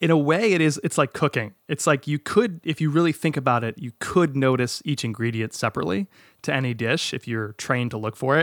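A man's medium-pitched voice with ordinary pitch variation, in a dry, close sound with no echo and a very clean recording with a silent background. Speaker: podcast host. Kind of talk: casual chat. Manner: fast; speaks in bursts with beats.

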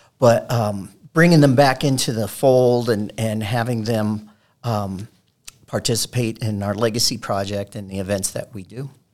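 With an ordinary speaking voice, a man talks at medium pitch with ordinary pitch variation and big swings in loudness. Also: moderate pace. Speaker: program supervisor. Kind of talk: casual interview.

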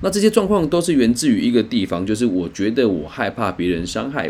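There is vocal fry in this man's voice and his pitch swings very widely. He speaks at a fairly quick pace. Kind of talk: book reading and commentary.

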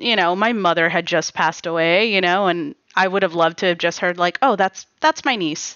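A plain, everyday voice moves at a fairly quick pace with ordinary pitch variation and hardly any pauses. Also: woman, fairly low pitch for a woman. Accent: American. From Miami, US. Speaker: podcast guest. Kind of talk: casual interview chat.

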